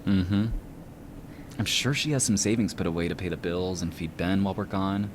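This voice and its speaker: A man playing an expressive, chatty young barista and worrier in a naturalistic audio drama. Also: low-pitched, moderate pace, background noise, lightly acted. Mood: worried.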